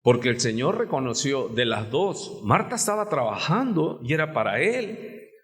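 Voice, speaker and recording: A man's voice: medium pitch, big pitch swings, normal speed, fairly bright tone. A male pastor with a Mexican Spanish accent preaching a sermon in a church sanctuary, often asking the congregation rhetorical questions. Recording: long church reverb.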